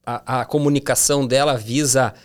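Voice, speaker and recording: A man talking casually about communication in a Christian talk show, animated and acting out quoted voices. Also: normal speed. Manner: animated, acts out quoted voices with big pitch jumps.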